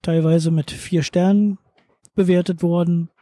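A man from eastern Germany talks about his beach bar at an unhurried pace. His voice sits a little high but sounds mellow and soft-edged. The recording is dry and close, with no room sound. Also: level tone, no echo. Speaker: beach bar and holiday flat owner. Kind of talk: interview answers.

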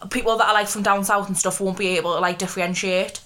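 A woman's voice: mid-range voice, fairly even intonation, fast, sharp tone. A young woman with a Geordie accent co-hosting a podcast, chatting casually, teasing her friend and laughing often. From North East England. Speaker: podcast co-host. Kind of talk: casual chat.

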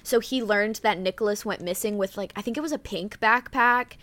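A woman's voice: mid-range voice, fairly quick, a bit bright. Chatty young woman recounting a crime case. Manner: chatty, full of "like" and "um", reads notes aloud. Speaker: podcast co-host. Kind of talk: casual true-crime chat.

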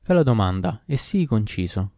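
A man's voice: on the low side, big pitch swings, normal speed, creaky, dark tone, no room sound, clean studio sound. A man voicing a proud and cruel ancient male jinn in a storybook reading, in a solemn, declaiming manner. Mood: menacing.

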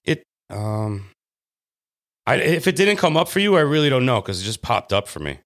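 A man co-hosting a podcast in casual banter, blunt, jokey and quick to swear. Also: medium pitch, sing-song, fairly bright tone. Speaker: podcast co-host.

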